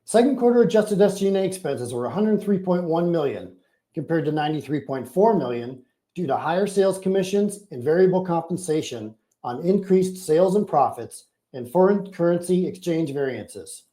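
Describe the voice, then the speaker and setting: Very mellow, higher-pitched man reading financials. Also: animated, moderate pace. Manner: formal, methodical reading of figures. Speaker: company finance chief. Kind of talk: scripted earnings call financial report.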